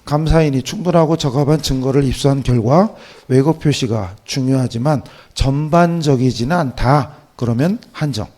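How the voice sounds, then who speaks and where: A man with a voice hoarse from a cold, teaching an accounting class through practice questions with short check-in questions. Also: medium pitch, normal speed, dark tone. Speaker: accounting exam lecturer.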